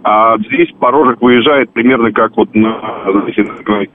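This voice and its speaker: A man's voice: mid-range voice, measured pace. A man calling in to a radio show, talking hesitantly with many fillers while his phone line breaks up and drops out. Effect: phone line breaking up, dropping out. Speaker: caller. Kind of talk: casual call-in chat.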